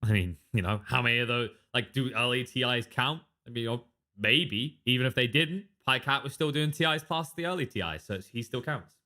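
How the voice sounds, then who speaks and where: A man's voice: mid-range voice, sharp tone. A man casting a live esports match, chatting loosely with a co-caster and trailing off into asides. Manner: chatty, quick asides, filler-heavy. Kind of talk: live game commentary.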